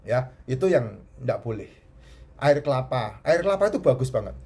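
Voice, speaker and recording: A man's voice: medium pitch, big pitch swings, normal speed, dark tone, husky. A middle-aged man with a stuffy, nasal voice, giving health advice in a casual talk, often repeating himself. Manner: chatty, repeats points, restarts words.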